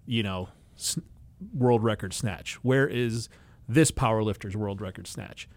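A man's voice: on the low side, measured pace, dry recording. A man co-hosting a casual podcast, speaking bluntly and mockingly with plenty of swearing. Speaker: podcast co-host.

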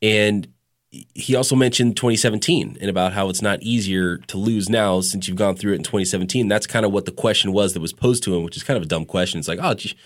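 A man's voice: fairly low pitch, fast talker. A man hosting a sports podcast in casual talk, a bit stuffed up from a cold, candid and blunt. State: stuffed up, a little sick. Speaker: podcast host.

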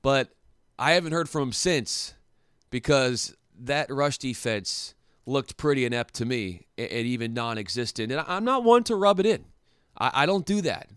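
A young man hosting a solo sports podcast, talking in an animated, excitable way with frequent restarts and rhetorical questions. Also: medium pitch, normal speed, clean tone, dry recording, clean studio sound. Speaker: podcast host.

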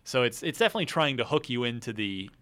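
Male podcast host, bright forceful tone, mid pitch, explanatory and conversational. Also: sing-song, fast, clean tone. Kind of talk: casual panel chat about video games.

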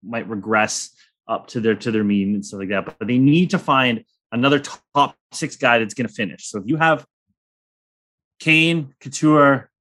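A man's voice: medium pitch, normal speed, fairly bright tone. A young man hosting a sports podcast in casual chat, rambling and joking with crude humor. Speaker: podcast host.

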